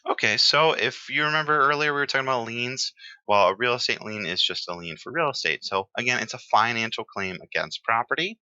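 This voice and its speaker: A man teaching real estate exam terms in a relaxed, chatty lecture, with many fillers and pauses. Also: mid-range voice, clean tone, no echo, muffled recording.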